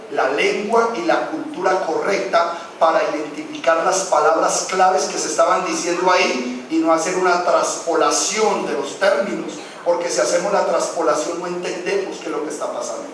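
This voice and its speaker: A man with a fairly high voice teaches a sermon in a church hall, explaining carefully and tossing rhetorical questions to his listeners. He sounds far from the mic, in a heavily echoing room with faint noise underneath. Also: moderate pace, few pauses. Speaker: pastor teaching a Bible class.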